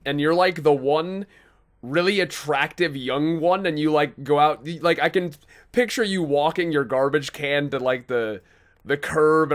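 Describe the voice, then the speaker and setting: A young man from North Dakota with a Midwestern American accent, chatting casually and rambling cheerfully over a voice call while he plays and comments. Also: on the high side. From North Dakota, USA. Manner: rambling, upbeat, laughs easily. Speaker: gaming video host. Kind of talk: casual gameplay chat and commentary.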